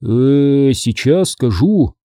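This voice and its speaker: A man's voice: mid-range voice, animated, very slow, dark tone, dry recording, studio quality. A man voicing a level-headed, cautious boy in a storybook reading.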